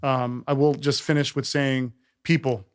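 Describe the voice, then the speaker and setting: A man's voice: medium pitch, little pitch movement, a little slow, clean tone. A man hosting a casual podcast conversation who speaks earnestly, often hesitates with fillers, and answers with short affirmations. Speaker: podcast host.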